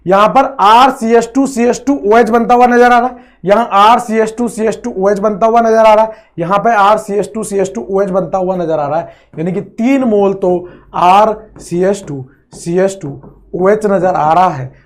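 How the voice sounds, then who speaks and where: Male chemistry teacher, high-pitched voice, repeats each step, classroom lecture. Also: normal speed. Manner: repeats phrases, drills students, calls them friend.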